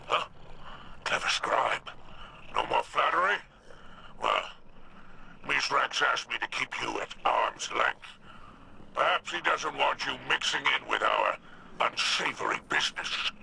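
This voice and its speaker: An actor playing a sly, gruff alien crime boss in a video game, drawling and insinuating with a gravelly voice. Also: male voice, medium pitch, sing-song, unhurried, pauses often, very noisy, heavily acted. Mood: sly, needling. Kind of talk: video game cutscene acting.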